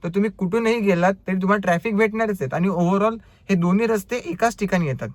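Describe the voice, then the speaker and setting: A young man with a Marathi accent tells stories from his driving shifts in an animated, chatty way, acting out what customers said. His voice sits a bit higher than most men's. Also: fast, no echo. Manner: animated storytelling, acts out quoted customers. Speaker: ride-hailing driver vlogger. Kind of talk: casual storytelling vlog.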